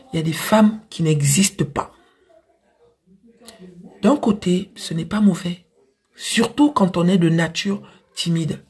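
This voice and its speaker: Very husky woman with African French accent. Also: lowish voice, darkish tone. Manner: emphatic, frank, big-sisterly advising. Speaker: social media advice creator. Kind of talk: direct-to-camera advice talk. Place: small dim indoor room. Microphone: phone at arm's length.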